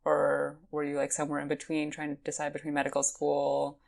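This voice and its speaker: A woman's voice: sits low, completely flat delivery, brisk, creaky, darkish tone. A woman co-hosting a podcast, asking a guest questions in a thoughtful, hedging way. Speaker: podcast co-host.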